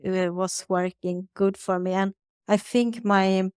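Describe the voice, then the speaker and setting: A Swedish woman in her thirties, a native Swedish speaker, talks haltingly in English as an interview guest, searching for words. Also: medium pitch, fairly even intonation, darkish tone, smooth, dry recording, studio quality. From Sweden. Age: 30s. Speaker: guest, spiritual advisor. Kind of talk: conversational interview.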